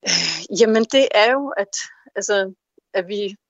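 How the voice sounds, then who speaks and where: A woman's voice: medium pitch, dry recording, highs cut off. A woman author in an interview who answers hesitantly with many fillers and reads aloud from her novel. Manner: hesitant with many fillers when speaking freely.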